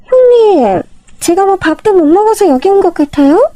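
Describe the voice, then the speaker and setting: Woman doing shrill whiny sisters-in-law. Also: big pitch swings, normal speed, dark tone, no room sound. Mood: whiny pleading. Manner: shrill, wheedling and plaintive. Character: whiny pushy younger sisters-in-law, middle-aged women.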